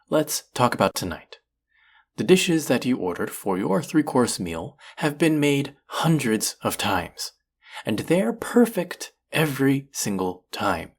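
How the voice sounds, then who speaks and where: A man acts out a proud male chef locked in a feud, in an intimate audio drama. His mid-range voice moves dramatically up and down in pitch. He speaks with indignation and sarcasm, always condescending and ready to fight. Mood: indignant. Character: proud, combative male restaurant chef feuding with a critic. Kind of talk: audio roleplay acting, one-sided dialogue.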